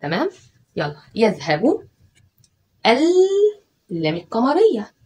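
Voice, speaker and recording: A woman's voice: mid-range voice, big pitch swings, slightly rough. A woman teacher with an Egyptian Arabic accent, sounding out letters one by one for children in a patient, coaxing tone. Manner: stretches syllables out slowly, sounding letters one by one. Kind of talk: children's spelling and dictation lesson.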